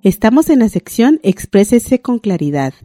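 A woman teaching a language lesson on a broadcast, reading out rules and examples in a clear, deliberate way. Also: on the high side, very animated, dark tone, dry recording, faint music behind.

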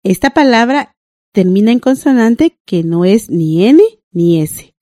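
A woman teaching a language lesson on a broadcast, reading out rules and examples in a clear, deliberate way. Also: mid-range voice, animated, warm tone, dry recording, studio quality.

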